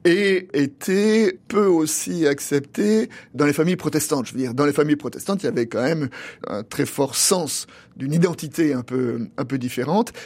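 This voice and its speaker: A man in his sixties from Paris, a pastor thinking aloud as an interview guest, with frequent pauses and restarts. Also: on the high side, darkish tone, slightly rough. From Paris, France. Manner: thoughtful, halting, many pauses and restarts. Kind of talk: reflective interview answers.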